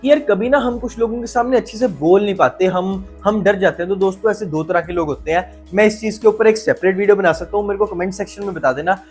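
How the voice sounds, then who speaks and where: A young man giving energetic, emphatic motivational advice in a casual vlog, repeating words for stress and using slang. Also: sits high, fast, hardly any pauses, breathy edge, soft background music. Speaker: self-improvement YouTuber.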